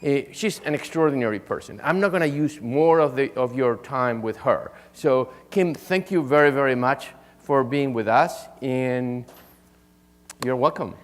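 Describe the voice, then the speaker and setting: A man's voice: medium pitch, a little slow. A man gives an earnest, repetitive introduction of the evening's guest speaker, full of fillers. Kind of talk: formal introduction. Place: lecture hall. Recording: long reverb of a lecture hall.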